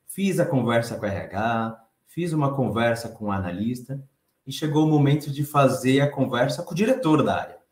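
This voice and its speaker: A Brazilian man in his thirties gives an expressive, chatty conference talk. His voice is soft and light, and he sits at a middling pitch. The sound carries a clear room echo. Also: brisk. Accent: Brazilian Portuguese. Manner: conversational, expressive, reads the chat aloud. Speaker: conference speaker.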